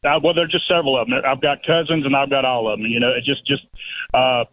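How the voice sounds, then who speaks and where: A man calling into a radio show on a phone line that keeps breaking up and cutting in and out, talking in a shaken, halting way. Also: medium pitch, fairly even intonation, a little hiss or hum. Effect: phone call breaking up, cutting in and out. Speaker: caller.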